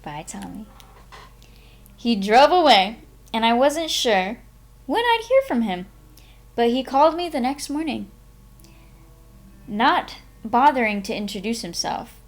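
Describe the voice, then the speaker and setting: A woman's voice: fairly high pitch, sing-song, unhurried, long pauses. A woman narrating a memoir aloud as a live streamer, in an informal manner with her own small asides. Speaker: streamer reading a book aloud.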